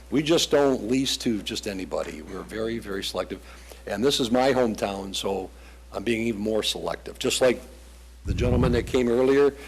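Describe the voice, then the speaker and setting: A man's voice: mid-range voice, slightly rough, poor audio. A man presenting as a property developer at a township planning meeting, casual and rambling.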